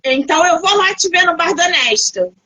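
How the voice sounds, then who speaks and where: A woman's voice: very high-pitched, expressive, fairly quick, bright, forceful tone, no echo, poor audio. A woman from Rio de Janeiro hosting a casual live interview over a video call, effusive and full of exclamations. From Rio de Janeiro, Brazil. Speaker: host.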